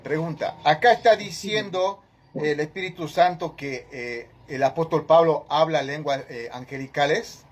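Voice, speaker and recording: A man's voice: a little high, normal speed. A man leading a Bible study, teaching emphatically and questioning his listeners directly.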